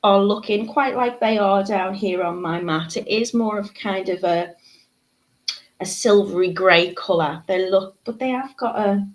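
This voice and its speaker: A woman's voice: medium pitch, unhurried, low-quality recording. Chatty woman with a slightly congested voice. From United Kingdom. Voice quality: chatty, many ums and asides. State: congested, a little croaky. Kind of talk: live craft tutorial, chatty.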